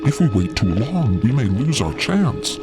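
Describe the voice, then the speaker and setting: A man's voice: medium pitch, sing-song, a little slow. A man playing a courteous, cautious alien in an audio drama, with formal wording and hesitant stammers. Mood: grave, cautioning. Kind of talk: scripted audio drama acting. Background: music.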